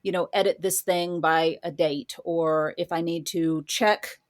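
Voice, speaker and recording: A woman's voice: on the low side, fairly even intonation, a little slow. A woman talking casually as an interview guest, explaining things informally with examples. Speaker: guest author.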